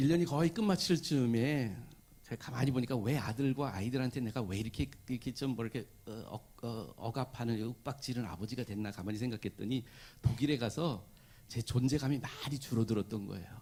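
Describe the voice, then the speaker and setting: Somewhat breathy and dark, mellow in tone, a man speaks fairly quickly at medium pitch with ordinary pitch variation. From South Korea. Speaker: pastor. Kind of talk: sermon. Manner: animated.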